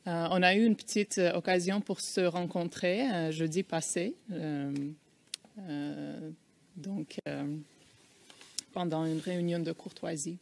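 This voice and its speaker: Une avocate du parquet qui interroge un témoin au tribunal, polie et hésitante, avec beaucoup de « euh ». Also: female voice, fairly low pitch, fairly even intonation, creaky. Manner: polite, halting with many fillers. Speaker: prosecution lawyer. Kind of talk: courtroom questioning.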